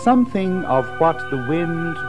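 A man narrating a children's story from a script in an expressive storytelling style. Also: fairly high pitch, measured pace. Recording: music behind narration.

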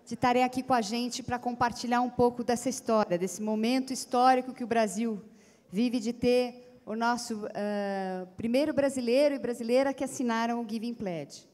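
High-voiced Brazilian woman moderating in a hall. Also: steady tone, moderate pace, a little mellow. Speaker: panel moderator. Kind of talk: introducing and asking questions onstage. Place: stage in a conference hall with seated audience. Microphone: handheld microphone. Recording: reverberant conference hall.

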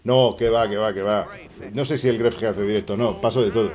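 A man with a Spanish accent giving excitable, swearing live commentary while playing and chatting to viewers. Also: on the low side, fairly quick. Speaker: gaming streamer. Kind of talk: casual live gameplay commentary.

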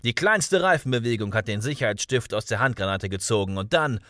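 A man reading the part of a calm male homicide chief explaining facts in an audiobook. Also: mid-range voice, fairly quick, no echo, clean studio sound, natural voice.

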